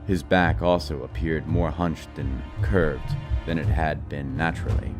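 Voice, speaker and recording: A man's voice: a bass voice, fairly even intonation, a little slow. A man narrating a scripted horror audiobook in a dramatized, storytelling style. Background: music.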